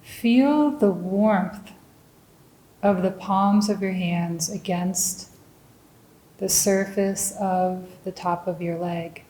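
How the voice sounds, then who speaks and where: A meditation teacher leads a session in a mellow, relaxed, mid-range voice. She speaks very slowly and gently, setting short, deliberate phrases between long pauses, and the roomy sound carries audible echo.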